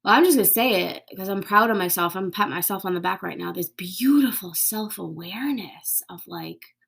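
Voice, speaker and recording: Woman podcaster, bit of vocal fry, chatty and open, drops into whispers sometimes. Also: medium pitch, a little fast. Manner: candid, swears casually, drops to soft whispers. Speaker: podcast host. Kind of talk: casual reflective monologue.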